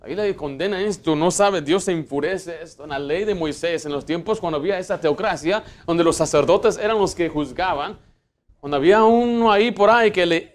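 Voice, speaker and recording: A man, a pastor preaching a sermon in church and putting earnest rhetorical questions to his congregation. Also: sits high. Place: church sanctuary.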